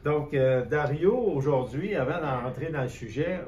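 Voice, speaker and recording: A man's voice: on the high side, expressive, a little slow, a little mellow, dull audio. A man with a Quebec French accent hosting a conversational interview, recapping and checking with short questions. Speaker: host, renovation contractor interviewing a guest. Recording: roomy echo, noticeable background noise.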